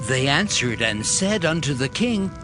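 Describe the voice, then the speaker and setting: A man narrating dramatized scripture in a solemn, measured, dramatic manner. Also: on the high side, very animated. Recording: music behind the voice.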